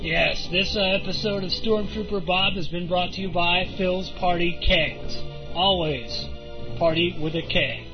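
A man's voice: sits high, a little slow. A man playing a polite male answering-service announcer with a formal delivery. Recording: dull lo-fi recording with music.

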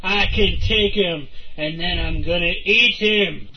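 Man doing a slow, cocky trooper. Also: high-pitched, noisy background. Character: brash hungry male space trooper. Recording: dull lo-fi recording.

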